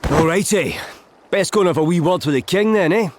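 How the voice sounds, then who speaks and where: Cheeky scottish noble traveller in a video game, chummy, boastful, voice a bit high and all over the place. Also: male voice, lively intonation, fairly quick. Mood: breezy. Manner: chummy, folksy, bluff. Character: breezy, boastful male traveller of noble birth.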